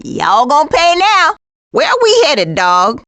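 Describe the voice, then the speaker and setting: High-pitched, sassy skunk. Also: female voice, huge pitch swings, takes it slowly, a bit bright, exaggerated voice. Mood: feisty. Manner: sarcastic, slangy, wisecracking. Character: sassy, streetwise female skunk with a sarcastic temper. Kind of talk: animated video game voice acting.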